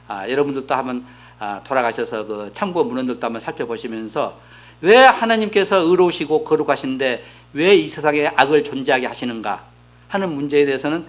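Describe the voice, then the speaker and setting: A middle-aged male pastor preaching a sermon, explaining with rhetorical questions and reading scripture aloud. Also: a little high. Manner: reads scripture aloud, voicing the prophets' complaints. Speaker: senior pastor.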